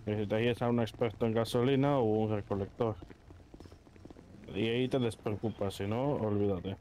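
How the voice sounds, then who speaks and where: A man's voice: fairly low pitch, fairly even intonation, moderate pace, mellow, slight background noise. A man improvising casual in-character talk as a player in an online roleplay game. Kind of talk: improvised in-character gaming chat.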